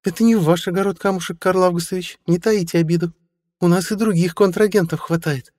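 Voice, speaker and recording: A man voicing a flighty, playful young witch woman in a high chirping falsetto. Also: fairly even intonation, fairly quick, a little mellow, no room sound, clean studio sound, long reverb tail, natural voice. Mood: lively.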